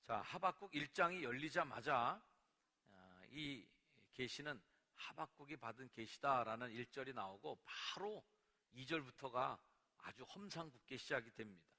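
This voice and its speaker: A man preaching a Sunday sermon as pastor of a church, lively and at times acting out angry cries to God. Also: mid-range voice, normal speed. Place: church sanctuary. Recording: long reverb of a church sanctuary.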